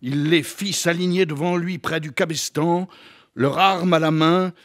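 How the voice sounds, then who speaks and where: A man reading a novel aloud on a literary stage, with measured, expressive narration. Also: fairly high pitch. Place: literary stage, live event.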